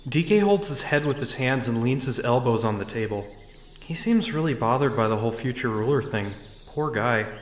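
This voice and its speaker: An actor playing an affable, bemused lawyer on holiday, narrating in a wry, conversational first person in an audio drama. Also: male voice, mid-range voice, lively intonation, normal speed, echoey room, slight background noise, lightly acted.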